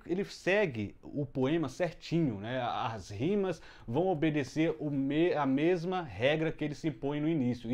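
A man's voice: on the high side, darkish tone, dull audio. A man explaining song lyrics step by step in a casual video lesson, with many fillers and restarts, recorded in a room at home. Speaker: music teacher. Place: room at home with the window closed. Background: children heard from outside.

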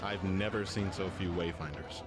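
An actor voicing an eager, loyal young rebel hero in a video game, quick and energetic. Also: male voice, low-pitched, over a noisy crowd, close to an everyday voice. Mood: earnest. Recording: loud music over the voice.

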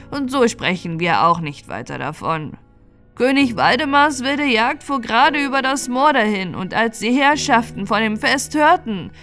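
A woman storyteller reading a bedtime fairy tale in an expressive, clearly phrased manner. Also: medium pitch. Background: music.

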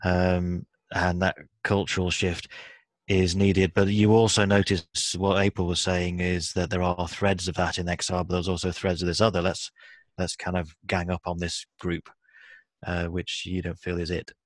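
A very deep-voiced man speaks calmly on a video call, carefully mirroring what he has heard. The sound is dry and close, with no room around it. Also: normal speed, no room sound. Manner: calm, reflective paraphrasing. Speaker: listener reflecting back in an empathy circle. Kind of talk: casual video call discussion.

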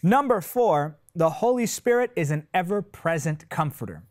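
Young guy preaching on tv, fired up, lively swooping voice, slightly high, lapel mic. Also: moderate pace. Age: 20s. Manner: impassioned, emphatic, with repetitive phrasing and big hand gestures. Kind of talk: sermon. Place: TV studio set, indoors.

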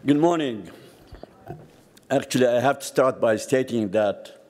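An older man from Syria, a professor, giving a formal, measured conference speech at a podium with frequent pauses. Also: medium pitch, darkish tone, slight background noise. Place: large conference hall. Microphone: podium microphone. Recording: long hall reverb.

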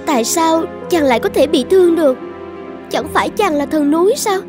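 High-pitched, devout young tribal maiden played by a woman. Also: expressive, a little fast, music in the background. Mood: worried. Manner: earnest, reverent. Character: devout, self-sacrificing young tribal maiden pleading to a god. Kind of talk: dubbed animated folktale acting.

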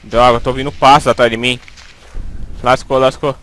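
A man's voice: medium pitch, little pitch movement, brisk, a bit bright. A young Brazilian man with a Brazilian Portuguese accent giving jumpy, swearing commentary as he plays a horror game into a headset. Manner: jumpy, swearing, panicky pleading. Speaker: gaming YouTuber.

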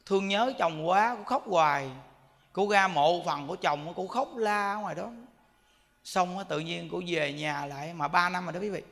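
A man's voice: high-pitched, moderate pace, fairly bright tone, long reverb tail. A Buddhist monk with a Southern Vietnamese accent giving a sermon full of stories, speaking colloquially and addressing his listeners directly. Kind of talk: sermon with storytelling. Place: temple hall.

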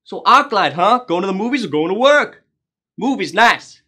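Man doing chatty awkward driver guy, bright voice, swooping pitch, nervous stop-start patter, comedy sketch. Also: very animated, moderate pace, slightly rough, exaggerated voice. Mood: eager, awkward. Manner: nervous small talk, repetitive, stop-start. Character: awkward, chatty, overeager male rideshare driver. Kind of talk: comedy character monologue.

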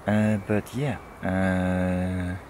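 A man's voice: sits low, level tone, drawn-out words. A young man chatting casually as a travel vlogger, thinking aloud and hesitating, recorded outdoors on a camera-mounted mic. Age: young adult. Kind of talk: casual vlog chat. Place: outdoors, by roads and seafront. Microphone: camera-mounted mic at arm's length. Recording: outdoor recording with loud wind and traffic noise.

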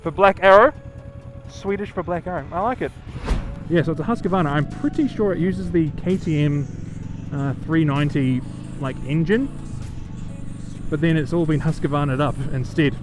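A man's voice: fairly high pitch, moderate pace. A man with a New Zealand accent chatting casually to viewers from inside a motorcycle helmet as he rides. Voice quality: muffled closeness of speaking inside a helmet. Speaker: motovlogger. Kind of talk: casual chat to viewers while riding. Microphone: microphone inside the helmet. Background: music.

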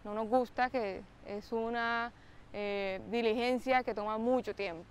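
A young woman explains her work to camera in a clear, patient way, now and then pausing on an "eh". Her voice sits a little high. She is recorded outdoors by a lake, with a faint hum of open air behind her. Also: fairly even intonation. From Colombia. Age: young adult. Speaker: biomedical engineer. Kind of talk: to-camera interview. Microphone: close mic, framed head-on.

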